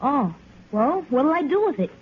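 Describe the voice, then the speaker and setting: A woman's voice: high voice, very animated, normal speed. A woman playing an eager, earnest young boy in a 1950s radio drama. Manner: earnest, boyish. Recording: dull old radio broadcast recording.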